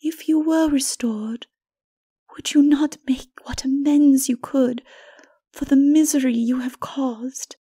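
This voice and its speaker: A woman voicing a sorrowful, righteous holy woman in a dark fantasy audiobook, breathy and often near a whisper, solemn and pleading. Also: high voice, fairly even intonation, slow. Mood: gentle reproach.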